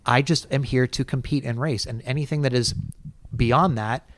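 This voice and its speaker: A man at a middle pitch hosts a casual podcast chat, working his thoughts out loud. He circles back and restarts often. The room is dry, with almost no reverb. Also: normal speed. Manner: rambling, thinks aloud with many restarts. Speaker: podcast host. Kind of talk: casual conversation.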